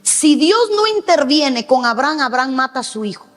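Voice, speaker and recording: A woman's voice: sits high, big pitch swings, moderate pace, a bit bright. A woman pastor preaching a sermon with emphatic delivery, now and then acting out the voices she quotes. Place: large church hall. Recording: reverberant hall.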